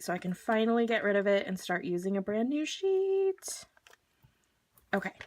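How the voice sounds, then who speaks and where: A woman's voice: mid-range voice, fairly bright tone, a little hiss or hum. A woman hosting a live card-making demonstration, chatty and gushing as she talks viewers through each step while working with her hands.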